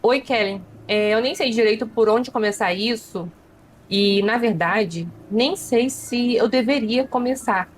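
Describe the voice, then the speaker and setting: A Brazilian woman narrates a personal story in a fairly high voice. She hosts in a conversational manner, pausing briefly as she goes. There is some light noise in the recording. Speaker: host and narrator of a story channel. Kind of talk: reading a listener's confessional account aloud.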